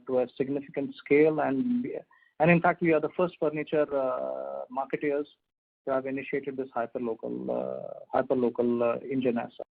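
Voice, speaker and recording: A man's voice: medium pitch, creaky. A man speaking as a company executive, giving a formal business answer on a conference call. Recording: narrowband phone line.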